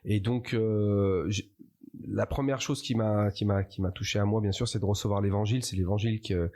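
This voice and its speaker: A church member appearing as a podcast guest shares his personal testimony, hesitating and often repeating himself as he searches for words. His voice is on the low side and darkish, with a steady tone at normal speed.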